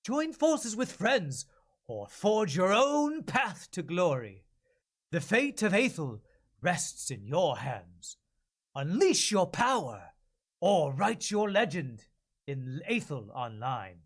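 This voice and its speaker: A man voicing a heroic, excited announcer for an epic fantasy game trailer, pompous and theatrical. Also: sits high, slow, full character voice. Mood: excited, adventurous. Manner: pompous, sweeping, theatrical delivery. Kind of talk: dramatic video game trailer narration.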